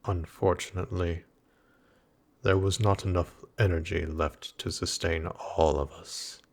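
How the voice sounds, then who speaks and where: A man's voice: sits low, steady tone, darkish tone, full character voice. A man voicing a grim, weary earthen knight guarding a goddess, speaking formally and archaically in a dramatic audio roleplay. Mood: mournful, solemn. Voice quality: gravelly, husky. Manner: archaic, formal, menacing, slow.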